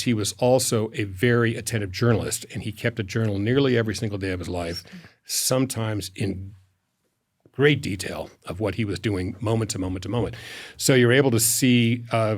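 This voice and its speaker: A man with a fairly low voice answers as an interview guest. He talks reflectively and in a measured way, pausing as he lays out anecdotes. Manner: measured, anecdotal storytelling with pauses. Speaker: foundation president, interview guest.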